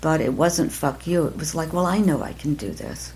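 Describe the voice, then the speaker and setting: An older woman, an acting teacher, talking reflectively in an interview, soft-spoken and halting, with many pauses and restarts. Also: low voice, animated, poor audio. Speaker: acting teacher, podcast guest.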